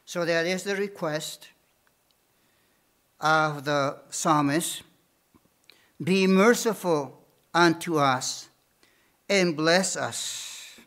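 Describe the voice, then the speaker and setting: Slow, high-voiced preacher. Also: male voice, a bit bright. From Bolivia. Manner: slow, emphatic preaching with repeated phrases. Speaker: missionary preacher. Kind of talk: sermon.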